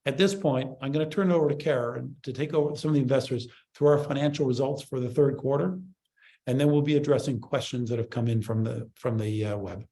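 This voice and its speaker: A man speaking as chief executive on an earnings call, with deliberate, somewhat halting phrasing. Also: mid-range voice, fairly even intonation, warm tone. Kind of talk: business presentation on an earnings call.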